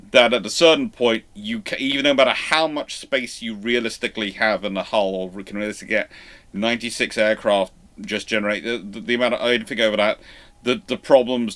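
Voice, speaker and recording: A man's voice: fairly low pitch, fairly bright tone. A man hosting an informal live history question session, explaining things at length with false starts and self-corrections. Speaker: live show host and naval historian.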